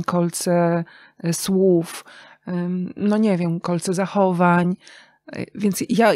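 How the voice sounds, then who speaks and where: A woman speaking as an interview guest, reflective and conversational, with thoughtful, halting phrasing and pauses. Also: medium pitch, darkish tone, no room sound. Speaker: interview guest, writer and radio journalist.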